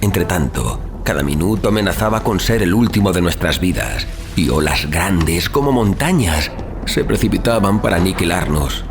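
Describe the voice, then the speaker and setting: A man's voice: low voice, lively intonation, normal speed. A man reading a literary horror story as a narrator, in a solemn, suspenseful, dramatic style. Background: music.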